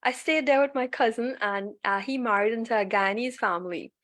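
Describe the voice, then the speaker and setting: Animated woman with a higher voice. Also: fairly quick, no room sound, studio quality. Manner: animated, explains at length, laughs. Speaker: podcast co-host. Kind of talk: casual live podcast chat.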